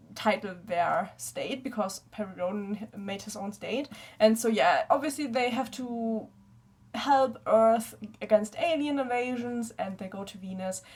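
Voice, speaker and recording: A woman in a German accent, fairly high-pitched and somewhat breathy, at a fairly slow pace with big swings in loudness. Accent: German accent, noticeable. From Germany. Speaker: book vlogger. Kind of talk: casual book review vlog. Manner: halting, many fillers.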